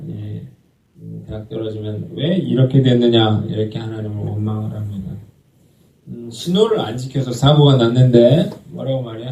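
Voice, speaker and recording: A male pastor with a mellow voice and a slight gravelly edge gives a sermon. He asks the congregation questions and answers them himself. He was recorded from a distance, with a church hall echoing around him. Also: medium pitch. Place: church sanctuary.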